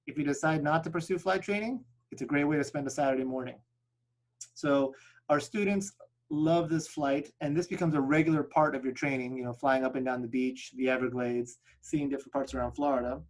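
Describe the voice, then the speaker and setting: A man whose first language is Spanish, presenting a flight school on a video call webinar in an upbeat sales-pitch manner, often tagging "right?" onto his points. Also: a little fast, low-quality recording.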